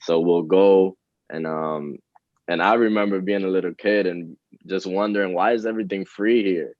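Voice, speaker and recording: A man in his twenties from the Dominican Republic, a rapper answering interview questions in a relaxed, hesitant way with many fillers. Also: deep voice, normal speed, dry recording. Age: 20s. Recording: dull, lo-fi, dry sound.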